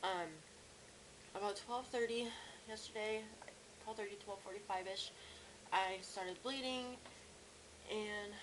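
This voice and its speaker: A young woman with a cracky, strained voice and sore throat, talking casually and haltingly in a personal video diary. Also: mid-range voice, fairly even intonation. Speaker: vlogger. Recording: clear background noise, room ambience.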